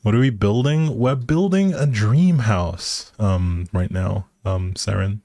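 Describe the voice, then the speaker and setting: Low-voiced man, slow-paced livestreamer. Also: mellow, dry recording, studio quality. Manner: playful, teasing banter with viewers. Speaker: game livestreamer. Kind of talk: casual livestream chat while playing a game.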